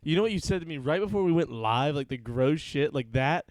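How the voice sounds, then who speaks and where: Young male podcast host, stuffy-nosed, smooth clear voice, dry close sound, casual teasing. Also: fairly high pitch, animated, a little fast, dry recording. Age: 20s. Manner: laughing, teasing. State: congested, coughing. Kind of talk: casual banter.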